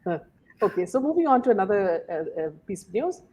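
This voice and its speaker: A woman's voice: medium pitch, very animated, brisk, mellow, highs cut off, slight background noise. Female host, casual commentary, heavy filler words. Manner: many fillers and "you know"s.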